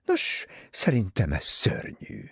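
A man's voice: lowish voice, wildly swooping pitch, creaky, pushed and bright, breathy edge, no echo, studio quality, heavily acted. A man voicing a prim, disapproving older English mother in an audiobook, scolding and easily offended.

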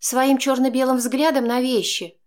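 A woman reader voicing a young woman who bristles and argues heatedly with her partner, in a much higher voice than her own. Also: steady tone, close to an everyday voice. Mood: indignant. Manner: indignant, quick to flare up.

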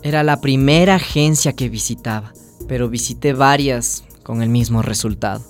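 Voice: medium pitch, normal speed, natural voice. An actor voicing a timid, hopeful young trans woman from a village in a radio drama, telling and living the story. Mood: weary, confiding. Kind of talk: radio drama narration and dialogue. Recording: music under the voice.

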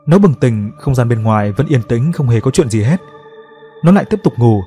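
A man tells a scripted horror story in a steady, dramatic way. His voice sits in a middle pitch. Soft music plays faintly behind him.

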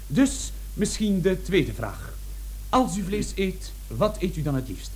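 Faint noise and hum, radio play, flustered young interviewer, animated, polite, stammering. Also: female voice, lowish voice, slow pace. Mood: nervous, polite. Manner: stammering, formal, protesting.

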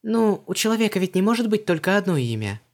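Man doing a high-pitched, excited young woman, loud and animated. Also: quick pace. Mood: flustered. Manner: high, bright, breathless. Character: flustered young woman, quick and chatty.

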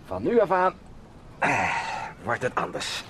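A man's voice: medium pitch, huge pitch swings, unhurried, fairly bright tone, a little hiss or hum. An actor playing a firm, pragmatic family father in radio drama dialogue, speaking in terse, declarative phrases. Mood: resolute.

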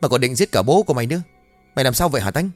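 A man voicing an angry middle-aged village neighbor who scolds and curses loudly. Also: medium pitch, sing-song, racing, no echo, soft background music, pitched above the performer's own voice, lightly acted. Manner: scolding, cursing.

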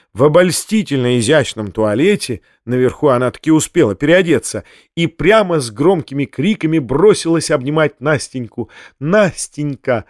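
Male narrator, slightly high, expressive measured reading, dry studio sound. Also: no echo. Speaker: audiobook narrator. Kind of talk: literary audiobook narration.

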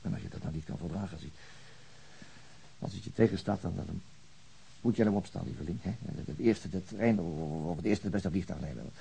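An actor playing a weary, principled veteran policeman in a radio drama, brooding and halting as he searches for words. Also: deep voice, creaky, warm tone, slightly rough, exaggerated voice, low-quality recording. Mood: weary, reflective. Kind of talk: naturalistic Dutch radio drama acting.

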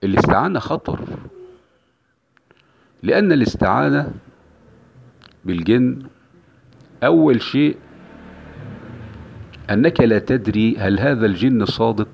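A man's voice: medium pitch, lively intonation, unhurried, vocal fry, pauses often, husky. A male Islamic preacher giving an emphatic religious lecture, repeating key phrases for weight. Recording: dull lo-fi recording.

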